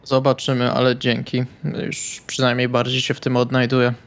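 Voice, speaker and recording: Mid-pitched man, casual tabletop roleplayer. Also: monotone, moderate pace. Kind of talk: casual in-character game dialogue.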